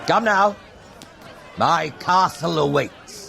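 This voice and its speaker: An actor playing a theatrical dark elf tyrant in an audio drama, mocking and grandiose, drawing out his words. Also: fairly high pitch, animated, vocal fry, a crowd in the background, heavily acted. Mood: haughty, threatening. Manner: mocking, grandiose, drawn-out delivery.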